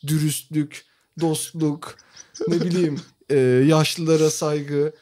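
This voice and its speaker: A man's voice: a little high, flat delivery, slow pace, darkish tone. A man co-hosting a podcast, making absurd jokes in a dry manner and teasing with questions. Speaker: podcast co-host. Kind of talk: casual chat.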